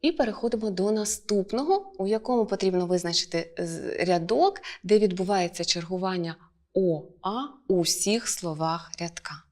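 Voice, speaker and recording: Measured woman teacher. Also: on the low side, a little mellow. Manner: clear, measured, stresses each example word. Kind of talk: lesson.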